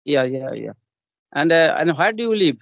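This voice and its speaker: A man interviewing for English practice, asking halting questions and answering with repeated "yes, yes". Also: fairly high pitch, sing-song, vocal fry, a bit bright, no room sound, lo-fi sound.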